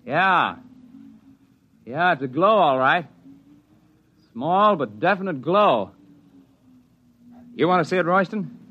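An actor in a radio drama playing a man who narrates his climbing story in a measured, matter-of-fact way. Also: on the high side, lively intonation, slightly rough, lo-fi sound, full character voice. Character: steady adult male climber telling his story.

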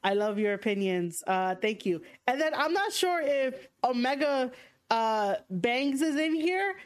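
A woman's voice: sits high, lively intonation, a little slow. A young woman with a New York accent, hosting a casual livestream podcast, speaking frankly and rambling with lots of fillers and restarts. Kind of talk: casual livestream chat reading viewer comments.

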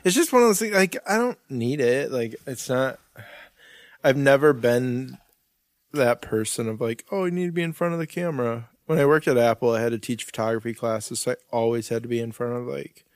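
A man's voice: mid-range voice, fairly quick, dry recording. A young man co-hosting a podcast in casual chat, rambling, swearing freely and laughing often. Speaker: podcast co-host.

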